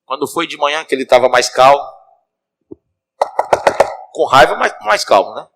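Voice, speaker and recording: A man's voice: fairly high pitch, normal speed, creaky. A man preaching in a church, telling a story as a sermon and calling out to the congregation, with a Cearense Brazilian Portuguese accent. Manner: animated, addresses the congregation directly. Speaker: bishop, preacher.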